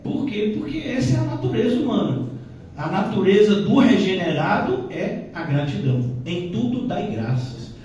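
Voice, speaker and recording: A male pastor teaches a Bible study in a chatty, conversational way, his voice sitting a little high. The sound is heavily echoey, captured from a distant mic in a church hall with faint ambience behind. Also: sing-song, normal speed, darkish tone, a little hiss or hum. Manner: conversational, with frequent "né?" asides.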